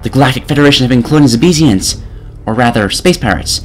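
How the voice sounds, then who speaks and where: A man's voice: mid-range voice, expressive, fast, soft background music. A man narrating a scripted comedic game review in an exasperated, sarcastic way.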